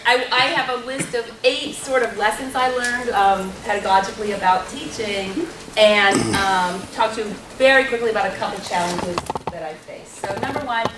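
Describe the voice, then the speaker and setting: A woman on a workshop panel telling how she runs a math circle, with a loud voice and a lively, animated storytelling manner. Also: medium pitch, moderate pace. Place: workshop room. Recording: roomy hall sound from a distant mic, noisy.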